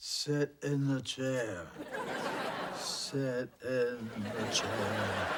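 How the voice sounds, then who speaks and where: Very slow delivery from a man doing a put-on character voice. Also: medium pitch for a man. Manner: spooky, eerie.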